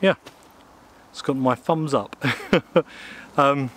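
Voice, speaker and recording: A man's voice: medium pitch, extremely slow, fairly bright tone. A man, chatting casually through an outdoor gear review in the woods, with plenty of ums and uhs. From England. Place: woodland outdoors, in and beside a small tent. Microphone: camera mic, close and at mid distance.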